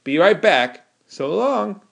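A man's voice: high voice, very animated, slow, creaky, voice pushed up, exaggerated voice. A man acts out a glib, cheeky young soldier in an audiobook. He talks in folksy American slang with a raised, wheedling voice. He sounds brash and eager to talk his way through. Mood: hurried calling.

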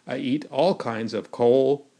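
A man's voice: medium pitch, slow, creaky, dark tone. A man voicing a clockwork metal man who speaks with stiff, formal, eerie politeness. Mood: stiff, courtly. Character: male clockwork metal man, courtly, eerie, coal-hungry.

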